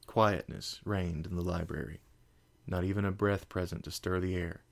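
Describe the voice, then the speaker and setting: A man narrates a fan story in a steady, measured way. His voice is on the low side with a strong vocal fry. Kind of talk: fan fiction audiobook reading.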